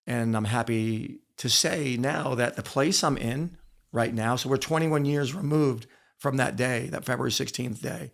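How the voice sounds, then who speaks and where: A man's voice: medium pitch, unhurried, gravelly. A middle-aged American man telling personal stories in an interview, speaking earnestly and emphatically, repeating phrases for weight. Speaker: podcast guest, author and former wrestler. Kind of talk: reflective personal storytelling in an interview.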